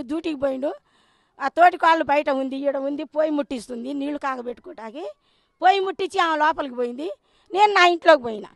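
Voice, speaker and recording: Very high shrill telangana woman, worked up, retelling what she saw, dry close mic. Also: no echo. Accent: Telangana Telugu. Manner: agitated, repetitive storytelling, acts out quoted speech. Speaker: villager recounting an incident. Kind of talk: emotional eyewitness account.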